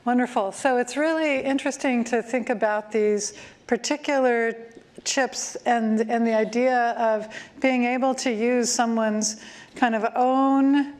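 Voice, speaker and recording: A woman with a slightly high voice interviews a presenter on stage. She is encouraging and keeps up a steady run of uh-huhs and wonderfuls. She ends each exchange briskly. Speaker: event host and interviewer. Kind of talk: interview after a talk.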